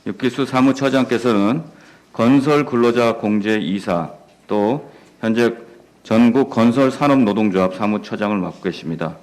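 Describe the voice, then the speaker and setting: A man moderating a seminar, introducing the next speaker in an unhurried, courteous way. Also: on the low side, a little mellow.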